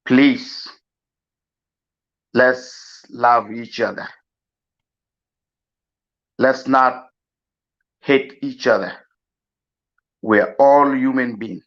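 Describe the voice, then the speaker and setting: Very slow earnest man, dull recording. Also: medium pitch, steady tone, fairly bright tone. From South Sudan. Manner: slow, earnest, pleading with many pauses. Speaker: mourner giving a eulogy. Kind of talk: slow spoken farewell address.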